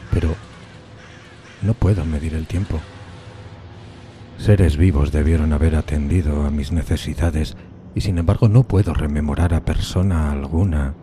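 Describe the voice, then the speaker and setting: An actor playing a tormented, solitary outcast in a gothic horror audiodrama, speaking in a brooding, solemn, halting dramatic way. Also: male voice, a bass voice, warm tone, a little hiss or hum. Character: tormented solitary outcast man recalling a decayed gothic castle. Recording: music bed behind the voice.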